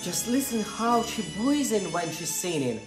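Guy in his 20s, excitable, keeps saying wow, echoey room w/ some music faintly. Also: high voice, unhurried. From Ukraine. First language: Russian and Ukrainian. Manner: effusive, exclaims often, simple non-native English. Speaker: YouTube reaction host. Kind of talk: casual reaction vlog. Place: indoor room, seated before an ornate armchair.

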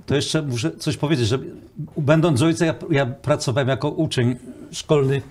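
A man's voice: fairly high pitch, normal speed, a little mellow, a little hiss or hum. An older man, a talk show guest, tells a long story with many repeated words and acted-out quotes. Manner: rambling, repeats words, acts out quoted voices.

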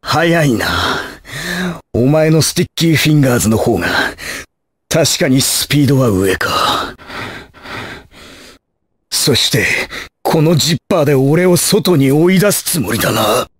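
A man playing a ruthless, proud gangster assassin in an anime video game, husky, with theatrical, menacing, rough tough-guy speech. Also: medium pitch, lively intonation, measured pace, pauses often, no room sound, clean studio sound. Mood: stern, controlled.

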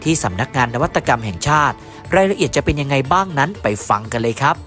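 A man reading a scripted news voice-over in a smooth, even manner. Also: medium pitch, fast talker, soft background music. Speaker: news narrator.

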